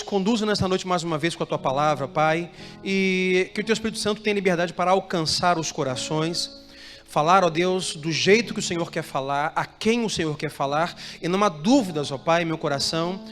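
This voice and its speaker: A Brazilian man with a high voice preaches to his congregation and keeps calling on them to repeat phrases and answer his questions. His voice rings through a reverberant church hall. Soft music plays faintly underneath. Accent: Brazilian Portuguese. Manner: preaching with call-and-response prompts to the congregation. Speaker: pastor. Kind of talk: sermon.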